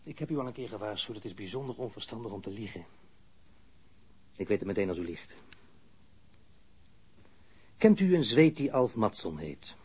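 Stern low-voiced police investigator. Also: male voice, animated, a little mellow, breathy edge. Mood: controlled, stern. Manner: formal, measured, insistent. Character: stern, composed male police investigator, probing and dryly authoritative. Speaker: police interrogator. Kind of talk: radio drama acting. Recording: noisy archived radio drama recording.

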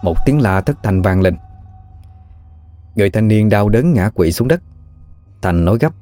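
A man narrating a ghost story in a steady, even storytelling manner. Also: on the low side, normal speed, faint music behind.

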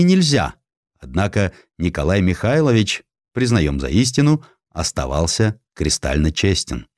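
Male narrator, lowish pitch, animated intonation, theatrical irony, scripted historical storytelling, dry studio sound. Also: dry recording. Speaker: audiobook narrator. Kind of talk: expressive scripted narration of a satirical historical sketch.

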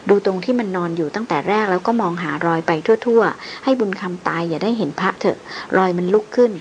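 A woman's voice: medium pitch, brisk, slight background noise, lightly acted. A woman voicing a frightened old male hunter who stammers and pleads breathlessly. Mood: shaken.

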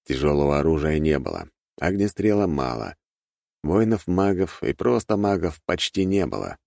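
Very deep gravelly male narrator. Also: very animated, moderate pace, warm tone, dry recording, clean studio sound. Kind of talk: audiobook fantasy narration.

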